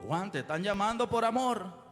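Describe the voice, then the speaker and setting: A patient man coaxes a friend toward faith, voiced by a male preacher. The voice is very high and pleading, echoing in a long hall reverb with music beneath. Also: normal speed, natural voice. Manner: pleading, gentle.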